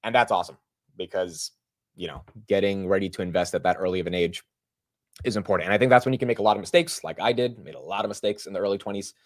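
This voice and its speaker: A man's voice: sits low, quick pace, no echo, studio quality. A man in his late twenties hosting a live market stream, chatting casually in an upbeat, slangy way and greeting viewers. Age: 20s. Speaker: livestream host.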